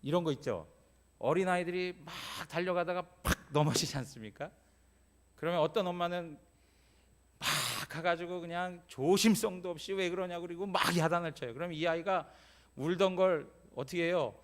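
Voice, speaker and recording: A man's voice: sits high, moderate pace. A male pastor delivering a Sunday sermon in a church, talking conversationally and often checking in with the congregation. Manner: conversational preaching, frequent "예?" prompts to congregation. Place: church sanctuary.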